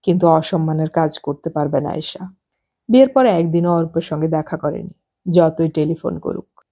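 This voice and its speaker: Woman reading a novel audiobook, calm and even, dark husky voice. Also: deep voice, normal speed. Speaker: audiobook narrator. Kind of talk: scripted novel narration.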